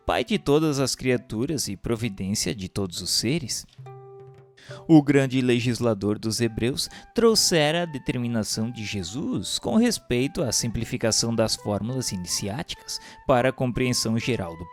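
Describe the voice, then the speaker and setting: A man with a Brazilian accent narrating a religious text in a solemn, formal, declamatory manner. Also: mid-range voice.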